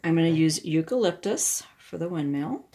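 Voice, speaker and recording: Low-pitched woman casually demonstrating a craft. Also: lively intonation, moderate pace, mellow. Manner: talks herself through each step, murmuring asides. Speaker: craft tutorial host, independent product demonstrator. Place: indoors at a wooden craft table.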